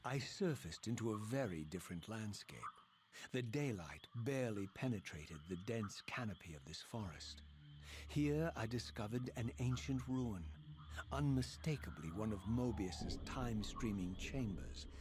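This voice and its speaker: A man playing a solemn undead wraith in a video game, narrating in a formal, measured, literary way. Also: fairly low pitch, darkish tone, slight background noise. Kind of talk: scripted dramatic game narration.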